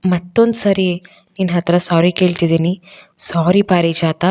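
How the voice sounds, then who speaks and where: A woman voicing an emotional young man who speaks softly and pleadingly in a storybook audio drama. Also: lowish voice, fairly even intonation, a little slow, close to an everyday voice. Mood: tender.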